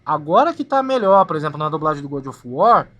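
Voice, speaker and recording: A woman with a Brazilian Portuguese accent, hosting a talk show in a relaxed, slangy way. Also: deep voice, fairly quick. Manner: laid-back, slangy, uses mild swearing. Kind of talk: casual interview chat.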